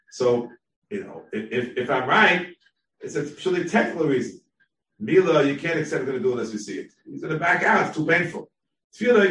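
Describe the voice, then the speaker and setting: A man leading a Talmud class, thinking aloud and reading out sources with quick asides. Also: on the high side, a bit bright, roomy sound, far from the mic, poor audio. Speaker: Talmud teacher. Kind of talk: text-based Talmud class.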